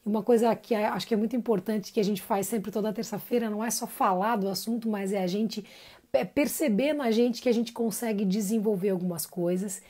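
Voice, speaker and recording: A woman's voice: medium pitch, fairly even intonation, brisk, dark tone. A woman giving a live-streamed singing lesson, chatty and encouraging, greeting viewers by name between explanations. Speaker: singing teacher.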